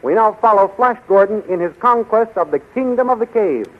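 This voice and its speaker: High-voiced 1930s radio announcer, male. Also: expressive, fairly quick. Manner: formal, dramatic declamation. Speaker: announcer and narrator. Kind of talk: 1930s radio serial narration, scripted. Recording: tinny, faintly noisy 1930s radio recording.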